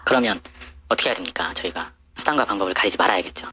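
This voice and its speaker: A man's voice: low voice, very fast, bright, forceful tone. An anonymous male supplier answering interview questions through an electronic voice changer that disguises his voice. He talks matter-of-factly and fills his answers with hesitant fillers. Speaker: anonymous supplier to TV shopping channels.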